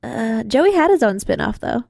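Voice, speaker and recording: A woman co-hosts a podcast with teasing, sarcastic quips, her voice a bit high and full of creak. She talks on a close mic with a dry, dead sound. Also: sing-song, normal speed, darkish tone, no room sound. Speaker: guest co-host. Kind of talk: casual comedic banter.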